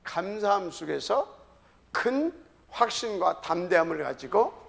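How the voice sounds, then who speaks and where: A male pastor preaching a sermon in a high voice with a gravelly edge. He hammers his points home emphatically and then sinks into hushed, repeated phrases. The sound is that of a church service. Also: very animated, measured pace. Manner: emphatic preaching, sudden drops to whispered repetition. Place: church sanctuary.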